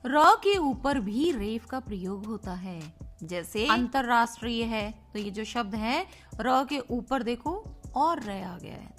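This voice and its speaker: Female teacher, high-pitched and slow, playful with the kids, spells words letter by letter, soft music bed. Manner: playful, addresses pupils as children. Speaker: Hindi teacher. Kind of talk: recorded grammar lesson.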